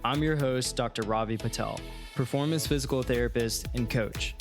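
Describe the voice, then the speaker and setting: A man reads the opening of his podcast from a script in a measured voice of middle pitch. Clear guitar music plays behind him. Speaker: podcast host. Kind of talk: scripted show intro.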